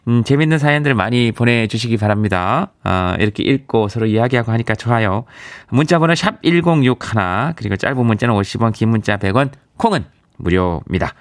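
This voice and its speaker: This radio host has a mid-range voice, captured dry with clean studio sound on a studio mic. Originally from Yeongcheon, South Korea, he talks in Daegu-Gyeongbuk dialect, chatting loosely, reading out messages from listeners, and laughing readily.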